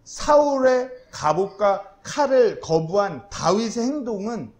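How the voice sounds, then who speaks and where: A man preaching a sermon as pastor, telling the story in a lively way with personal asides. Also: high voice, slow pace. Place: church.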